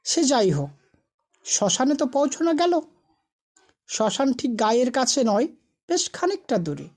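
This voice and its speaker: A woman's voice: sits high, sing-song, moderate pace, a little mellow. A woman reading a scripted ghost story as a storyteller.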